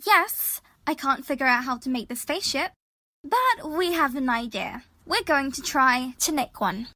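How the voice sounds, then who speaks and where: A woman's voice: sits high, lively intonation, moderate pace, bright, forceful tone, no room sound. A woman playing an earnest, determined young woman in an audio drama, speaking plainly.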